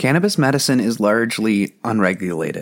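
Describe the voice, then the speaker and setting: A man speaks with a Canadian accent in a plain, everyday voice, pitched fairly low, at a moderate pace with lively intonation. The recording is very clean, with a silent background. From Canada, Ontario. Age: 30s. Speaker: podcast host. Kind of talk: solo monologue podcast.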